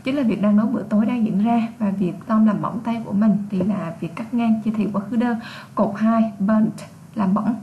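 A woman's voice: medium pitch, moderate pace, reverberant, phone-quality sound, slight background noise. A woman from Vietnam with a Vietnamese accent, teaching an English exam lesson, patiently repeating words and explaining their sounds.

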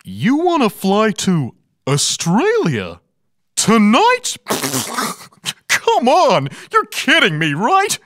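Scoffing cartoon critter: high, swooping, slow drawl, gleeful. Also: male voice, huge pitch swings, a bit bright, dry recording, studio quality, heavily acted. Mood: mocking glee. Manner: drawling, incredulous, cackling. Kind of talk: animated film character.

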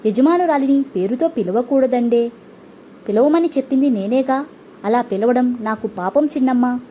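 A woman's voice: a little high, normal speed, warm tone, a little hiss or hum, lightly acted. A woman voicing a humble, honest young male farmhand in a storybook, speaking meekly and deferentially. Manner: meek, deferential.

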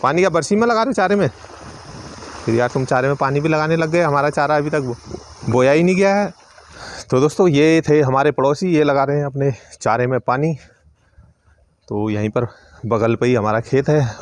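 Playful middle-aged man vlogging village life. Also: mid-range voice. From Uttarakhand, India. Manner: teasing, playful chatter with family, animals and children. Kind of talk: casual vlog chat, narrating daily life and talking to those around. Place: village home, mostly outdoors in yard and fields. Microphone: phone at arm's length.

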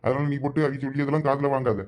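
A man playing a stern rapid-talking village husband. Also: mid-range voice, fairly even intonation, darkish tone, lightly acted. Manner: brisk, scolding, firm. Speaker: husband and shop owner. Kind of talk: village family skit. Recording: dull lo-fi sound.

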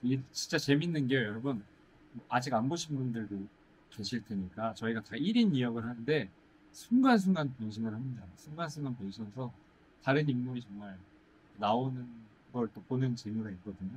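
A young man, a musical actor, chatting in a casual Q&A, pausing thoughtfully to search for words. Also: medium pitch, animated, darkish tone, husky, rough recording. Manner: thoughtful, drawn-out pauses while searching for words. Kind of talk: casual Q&A chat. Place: indoor stage set, seated.

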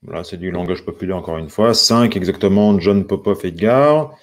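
A man's voice: deep voice, normal speed. A French man teaching a live songwriting lesson, patiently counting syllables with viewers and greeting them by name. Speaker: music teacher.

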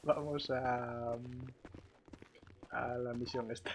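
A man's voice: mid-range voice, fairly even intonation, slow pace, a little hiss or hum. A man chatting casually during an online game, hesitating and repeating words. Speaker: gamer playing online survival roleplay.

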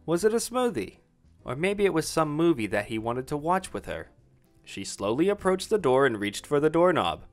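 A man's voice: a little high, very animated, moderate pace, soft background music. A man narrating a romantic fan fiction story in a scripted, dramatic reading style.

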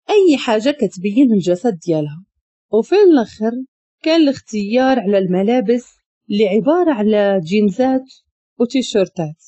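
A woman's voice: fairly high pitch, mellow, breathy edge, no room sound. A woman with a Moroccan accent narrating a story.

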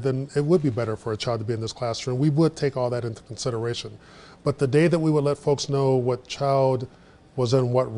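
Animated man presenting a workshop. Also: mid-range voice. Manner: animated storyteller, gestures widely. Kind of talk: conversational workshop talk. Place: meeting room with projector screen.

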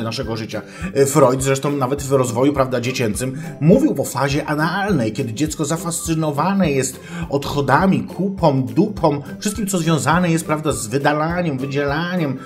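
A man's voice: mid-range voice, natural voice. A man playing pompous sex doctor Anna Torpeda. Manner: mock-scholarly lecturing, keeps addressing the audience formally, swears. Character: pompous self-styled female sex therapist, crude. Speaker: advice-show host. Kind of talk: comic character monologue.

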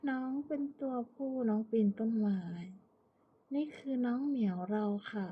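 A woman from Thailand chatting casually and politely to viewers as a pet owner, in an unhurried, coaxing manner. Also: a little high, husky. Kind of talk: casual chat to viewers while watching her pet cat. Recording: muffled, lo-fi, phone-like narrow sound.

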